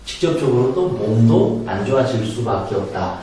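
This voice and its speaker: A man giving a spoken lecture on handling anger, emphatic and animated, sometimes acting out angry quotes and laughing. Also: mid-range voice, normal speed. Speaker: meditation and self-help lecturer. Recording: very echoey room from a distance, faint noise.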